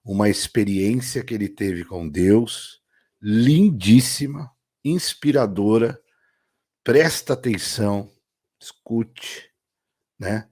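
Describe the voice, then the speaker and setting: Brazilian male host, low voice, casual reaction commentary aimed at viewers. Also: slow. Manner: warm, repeats praise, addresses viewers directly.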